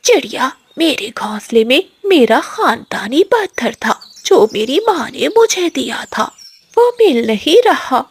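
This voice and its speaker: A woman's voice: sits high, sing-song, a little slow, breathy edge, dry recording, heavily acted. A woman voicing a fierce, angry female eagle aunt in a cartoon. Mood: upset.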